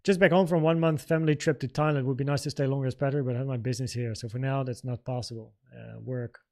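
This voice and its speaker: A man's voice: medium pitch, steady tone, quick pace, warm tone. A man from the Netherlands, a native Dutch speaker in his thirties, hosting a casual trading livestream, informally thinking aloud as he takes viewer questions. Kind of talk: casual livestream Q&A and market commentary.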